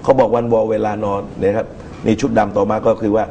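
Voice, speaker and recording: A middle-aged man with a low, very mellow voice gives political commentary on a talk show. He speaks in a measured way into a lapel microphone, with faint noise in the TV studio recording. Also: little pitch movement, dull audio.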